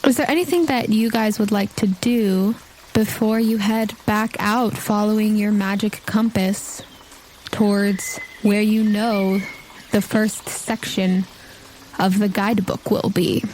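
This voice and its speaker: A woman's voice: mid-range voice, steady tone, slow, a little mellow, slight background noise, poor audio. A woman acting as game master, narrating a tabletop role-playing game in a descriptive, scene-setting way.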